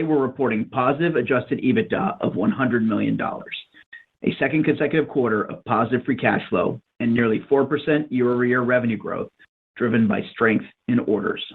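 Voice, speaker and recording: A man's voice: mid-range voice, husky. A man delivering scripted earnings remarks as a company's chief executive. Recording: muffled narrowband phone line.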